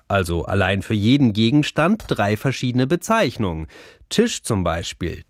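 Low-voiced man narrating a children's program. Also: no echo, clean studio sound. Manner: explains in simple, friendly terms to a young audience.

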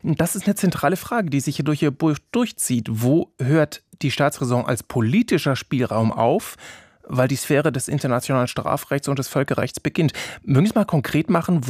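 A man hosting a radio interview, asking measured, articulate questions in a studio. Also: mid-range voice, darkish tone, dry recording. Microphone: studio microphone. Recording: dry studio sound.

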